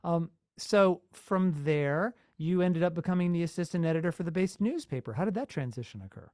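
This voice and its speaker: Higher-pitched male interviewer, dry close sound. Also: lively intonation, fairly quick, darkish tone, dry recording. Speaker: interview host. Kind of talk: conversational interview questioning.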